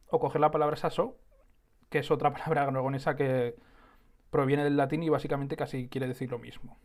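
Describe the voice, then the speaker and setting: A man's voice: a little high, darkish tone. A man hosting his own podcast alone, explaining things in a chatty, rambling way and often correcting himself mid-sentence. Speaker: podcast host.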